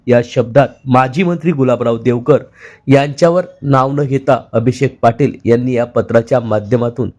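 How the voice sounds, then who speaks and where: A man, a news reporter, reading a scripted report in a measured, formal way. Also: medium pitch, a little mellow.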